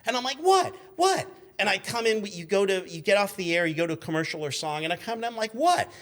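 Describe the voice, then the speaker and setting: A man in his fifties talking as a guest in a casual interview, telling stories in an animated, profane, stumbling way. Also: high-pitched, fast. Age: 50s. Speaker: guest, former radio show intern.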